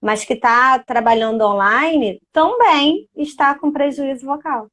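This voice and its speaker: A woman's voice: sits high, unhurried, a bit bright. A woman educator talking casually, explaining a point in conversation.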